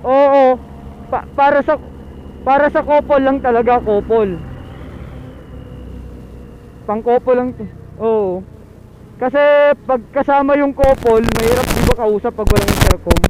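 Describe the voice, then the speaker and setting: A man's voice: extremely high pitch, measured pace, long pauses. A Filipino man chatting casually to viewers as he records a motorcycle vlog, often repeating short phrases. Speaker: motorcycle vlogger. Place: outdoors on a motorcycle in traffic. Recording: dull lo-fi, loud traffic and engine noise.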